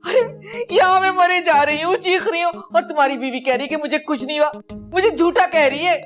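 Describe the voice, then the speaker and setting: A woman's voice: very high voice, brisk, soft background music. An actress playing a melodramatic, demanding older mother who wails and complains. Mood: complaining. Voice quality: wailing, complaining. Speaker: mother-in-law. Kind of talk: sitcom acting.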